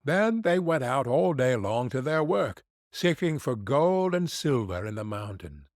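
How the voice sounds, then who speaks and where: A man narrating a fairy tale for an audiobook in a measured storytelling manner. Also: medium pitch, sing-song, no echo, clean studio sound.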